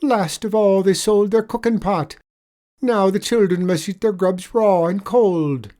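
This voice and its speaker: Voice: mid-range voice, unhurried, warm tone, voice pushed up, close to an everyday voice. A storyteller voicing a sly, wheedling male leprechaun with an Irish accent, spinning a pitiful tale in a storybook reading.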